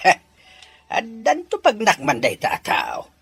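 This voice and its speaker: An actor playing a gruff, domineering father in a radio drama, raspy, with a Filipino Ilocano accent. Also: high voice, wildly swooping pitch, slow pace, a bit bright, soft background music, exaggerated voice. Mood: scornful.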